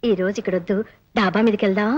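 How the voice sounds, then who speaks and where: An actress playing a quick-witted young courtesan in a film comedy, coaxing and teasing. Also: female voice, mid-range voice, steady tone, dull audio, close to an everyday voice.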